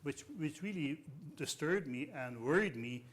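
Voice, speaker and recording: A middle-aged man from Belgium whose first language is Dutch, a law professor on a panel, speaking in a measured, hesitant way. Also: a little high, animated. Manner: measured, hesitant, many uh fillers. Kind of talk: panel discussion.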